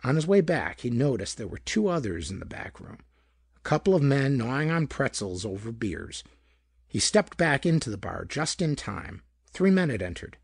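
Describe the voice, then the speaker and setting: Guy doing a noir detective audiobook, gravelly voice, really animated pitch, dramatic storyteller. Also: normal speed, no room sound, clean studio sound. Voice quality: gravelly, husky. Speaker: audiobook narrator. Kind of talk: scripted narration of hardboiled pulp detective fiction.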